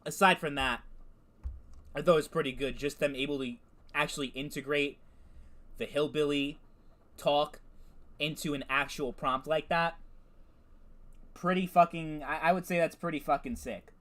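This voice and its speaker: A man's voice: fairly high pitch, steady tone, normal speed, long pauses, fairly bright tone. A man hosting a casual gaming video, reacting with laughter and swearing. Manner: casual, profane, laughing, self-deprecating. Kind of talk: casual commentary reading chatbot outputs.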